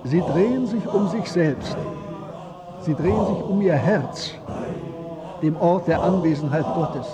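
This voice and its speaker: An actor playing a wise, gentle old Muslim shopkeeper who teases and philosophizes unhurriedly in a radio drama. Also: male voice, a little high, a little slow, long pauses, over a noisy crowd, lightly acted. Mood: serene, wise. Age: older.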